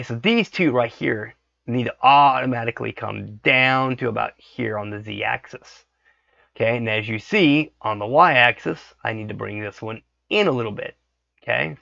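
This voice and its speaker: Hoarse man with a gravelly voice. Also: mid-range voice, bright, forceful tone, no echo. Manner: thinks aloud, frequent "okay" checks. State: hoarse from a cold. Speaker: 3D modeling tutorial host. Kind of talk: casual screen-recorded tutorial. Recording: dry, dull lo-fi mic.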